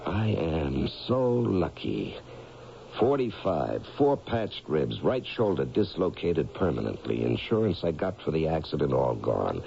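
An actor playing a bitter, self-pitying middle-aged ex-miner in a radio drama, grumbling and sarcastic. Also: male voice, rumbling low, very animated, unhurried, vocal fry, dark tone, heavily acted. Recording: muffled, lightly noisy old radio recording.

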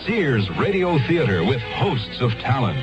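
A man's voice: mid-range voice, big pitch swings, measured pace. A man announcing a scripted 1970s radio promo as a network announcer. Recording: muffled old radio broadcast with loud music.

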